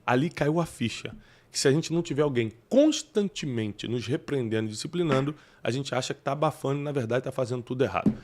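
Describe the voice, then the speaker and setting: A man hosting a talk show, animated and preachy, often bringing in scripture. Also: medium pitch, fast talker. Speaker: podcast host. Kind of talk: casual chat.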